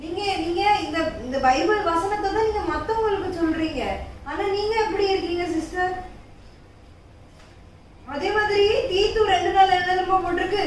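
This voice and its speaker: A woman playing an earnest church sister who lectures a friend and quotes Bible verses slowly, in an amateur family skit. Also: very high voice, a little hiss or hum. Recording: echoey room, far from mic.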